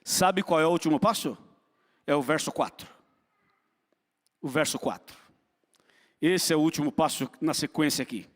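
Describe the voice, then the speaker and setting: A man's voice: a little high, normal speed, pauses often, long reverb tail. A man preaching a sermon as pastor, fervent and repetitive, asking the congregation for responses in a church.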